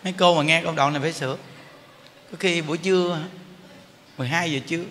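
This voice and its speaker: Bright-voiced Southern Vietnamese man preaching. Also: on the high side, fast. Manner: folksy, animated, mimics scolding parents. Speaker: Buddhist Pure Land teacher. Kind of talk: dharma talk sermon. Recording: reverberant hall with faint ambient noise.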